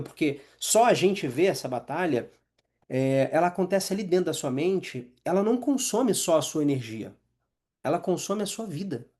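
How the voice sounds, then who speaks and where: A man's voice: high-pitched, darkish tone. Conversational man teaching a masterclass. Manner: conversational, asks the audience questions, acts out inner voices. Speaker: hypnotherapist and mental coach. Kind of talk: live masterclass to an audience.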